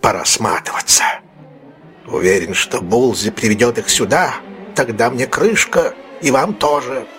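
A man voicing a brutal, desperate male robber with a slow, threatening delivery. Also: mid-range voice, a bit bright, faint music behind, close to an everyday voice. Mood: menacing.

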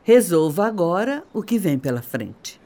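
An actress with a Brazilian accent playing a bitter, haughty middle-aged wife in a radio soap opera, mocking and theatrical. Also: female voice, fairly low pitch, very animated, a little slow, dark tone. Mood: sarcastic. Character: bitter, scornful middle-aged wife leaving her husband.

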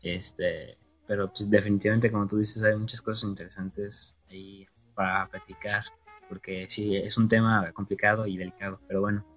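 A man's voice: on the low side, little pitch movement, moderate pace, fairly bright tone, faint music behind. A man with a Mexican accent co-hosting a casual podcast, rambling and peppering his talk with slang. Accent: Mexican Spanish. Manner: rambling, restarts, says güey often. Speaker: podcast co-host. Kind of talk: casual chat.

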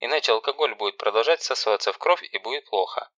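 A man's voice: mid-range voice, fast, a bit bright, dry recording, natural voice. Man doing a harsh, commanding bossy sister. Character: stern, sarcastic young woman, the bossy older sister. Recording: dull lo-fi recording.

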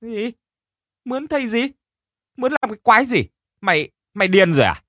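A male narrator doing a domineering old matron of a wealthy house, shrill and cruel, her voice climbing high and loud as she berates those below her. A lively, swinging delivery in a dry audiobook reading. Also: brisk, dry recording, full character voice. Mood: furious scolding. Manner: shrill scolding shouts.

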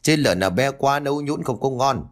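A blunt, scolding old grandfather, voiced by a male narrator. His pitch moves a lot as he curses at the dog. Told as an audio story. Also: animated, a little fast, lightly acted. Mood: plain. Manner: cursing, blunt.

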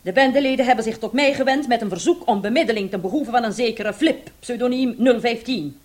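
A woman's voice: a little high, brisk, a little mellow, lightly acted. An actress playing a self-assured female police commissioner in a radio play, with a dry, authoritative manner. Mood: businesslike.

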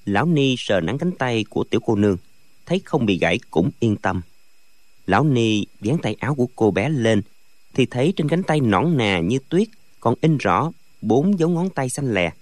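A man narrating a martial arts novel as an audiobook, with expressive storytelling. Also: mid-range voice, moderate pace, dry recording.

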